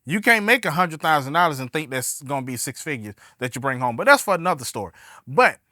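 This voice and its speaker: A man with a high, forceful voice and a Southern Black American accent hosts a casual podcast. He speaks folksily and directly to his audience, putting questions to them as he goes. The recording is dry and close, with music in it. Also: sing-song, fast, dry recording. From Alabama, US. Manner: folksy, direct address with rhetorical questions and endearments like "baby". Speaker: podcast host.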